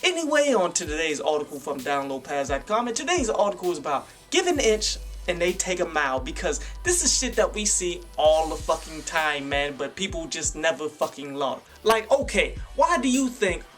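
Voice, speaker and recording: A man's voice: fairly high pitch, sing-song, normal speed, few pauses, fairly bright tone. An American man hosting a video review show with casual, opinionated commentary and slangy, sweary talk. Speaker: host of a YouTube review show. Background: music behind the voice.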